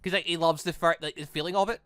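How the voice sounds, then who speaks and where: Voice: medium pitch, fairly even intonation, fast, a bit bright, smooth, no room sound, studio quality, soft background music. A chatty gaming host reading a visual novel aloud and commenting on it, stumbling over lines now and then.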